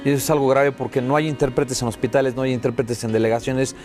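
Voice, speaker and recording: Fast-talking Mexican man explaining earnestly. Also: medium pitch, little pitch movement, a little mellow, faint music behind. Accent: Mexican Spanish. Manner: earnest, explanatory, many "eh" fillers. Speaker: sign language interpreter. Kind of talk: interview guest, voicing interpretation.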